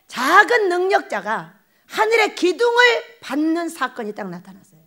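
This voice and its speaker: A woman pastor preaching a folksy, animated sermon, often asking the congregation questions and acting out quoted voices. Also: very high voice. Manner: acts out quoted voices with laughter. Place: prayer retreat sanctuary.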